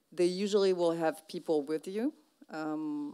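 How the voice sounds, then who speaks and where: On a very clean recording with a silent background, a woman speaks very slowly in a fairly low, dark, mellow voice. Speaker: documentary filmmaker and sound artist. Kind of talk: masterclass Q&A. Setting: theater with audience. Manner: halting, many fillers and restarts.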